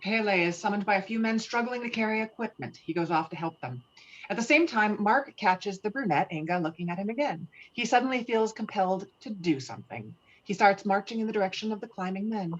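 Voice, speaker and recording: During an online table read, the stage directions come from a woman whose mid-range voice is animated and fairly quick. The call audio is muffled and low quality.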